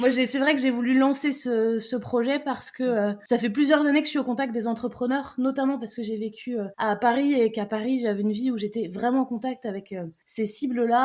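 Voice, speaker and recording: A woman with a high pitch speaks at a fairly quick pace, using ordinary pitch variation. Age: 30s. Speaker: podcast host, business coach. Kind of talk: casual interview chat.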